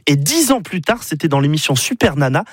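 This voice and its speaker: A man presenting a lively celebrity segment as a columnist on a talk show. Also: on the high side, a little fast, heavy background noise.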